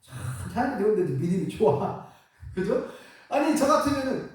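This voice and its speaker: Animated preacher in an echoey sanctuary. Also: mid-range voice, normal speed. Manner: animated preaching with rhetorical questions and chuckles. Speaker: pastor. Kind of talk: sermon. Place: church sanctuary. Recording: echoey hall, mic at a distance.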